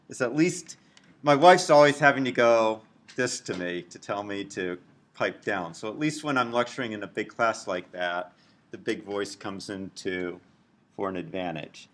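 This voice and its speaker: A middle-aged man with a big, loud voice, giving a recorded university lecture while writing on a tablet, slow and deliberate. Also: fairly low pitch. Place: at a computer, screen recording.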